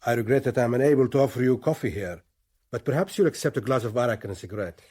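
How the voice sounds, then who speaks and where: Husky, formal Arab guerrilla commander played by a man. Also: mid-range voice, darkish tone, dry recording, clean studio sound, natural voice. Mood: courteous. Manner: formal, measured. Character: grave, courteous, unyielding male Palestinian guerrilla commander. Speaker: actor playing a guerrilla leader.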